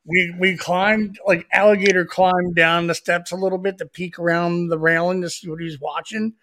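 A man in his forties talks with a high, bright voice. He is a loud, profane guest on a casual podcast, swearing freely as he tells his stories. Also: little pitch movement, moderate pace. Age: 40s.

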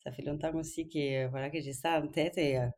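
A woman's voice: low-pitched, steady tone, a little fast, a little mellow. A woman, a guest speaking hesitantly with many fillers and restarts. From Spain. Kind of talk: casual conversational interview.

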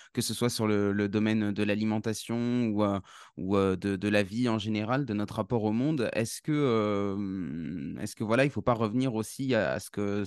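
A man's voice: lowish voice, a little mellow, smooth, dry recording, studio quality. A man of Portuguese origin hosting a podcast, asking a long question with hesitant fillers. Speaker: podcast host. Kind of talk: interview question.

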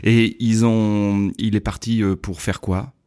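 A man's voice: on the low side, little pitch movement, slow, mellow, dry recording, studio quality. A man from France hosting a podcast interview and prompting his guest with brief questions. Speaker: podcast host.

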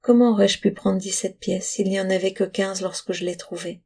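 A woman's voice: medium pitch, level tone, normal speed, vocal fry, a little mellow, breathy edge. A woman voicing an earnest, stubborn poor boy who pleads and insists, in a storybook reading. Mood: pleading.

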